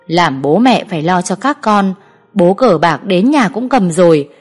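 A woman's voice: fairly low pitch, animated, measured pace, slightly rough, faint music behind. Woman voicing a worn-out gambler father. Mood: weary pleading. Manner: tired, defeated pleading. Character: indebted gambling village father, weary.

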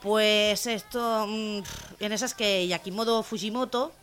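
A woman co-hosting a local radio comedy show, telling jokes in a lively storytelling way. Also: measured pace, faint music behind. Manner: lively storytelling, jumps into high voices for joke characters.

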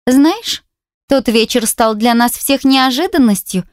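A woman's voice: high-pitched, expressive, a little slow, no room sound, clean studio sound, voice pushed up. A woman reading an audiobook, voicing a coquettish, spiteful young woman who taunts over the phone. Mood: mocking, venomous. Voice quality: mocking, sugary and spiteful. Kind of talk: audiobook character voice.

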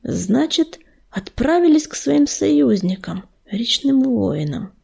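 Woman reading as a young tomcat leader, earnest, hushed, husky, lively lilt. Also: on the high side, takes it slowly, heavily acted. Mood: grave. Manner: soft, grateful, often hushed. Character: young male cat clan leader, earnest.

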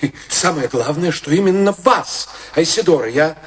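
A man's voice: a little high, animated, moderate pace, close to an everyday voice. An actor playing a huge, impetuous, passionate male artist, with emphatic theatrical radio-drama delivery. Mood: astonished, fervent. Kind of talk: theatrical radio-play acting.

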